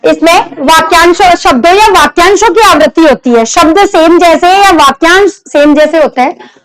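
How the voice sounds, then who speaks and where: A woman's voice: very high voice, normal speed, rough recording. A woman teacher giving a classroom lecture on grammar, explaining step by step, repeating examples and putting questions to her students.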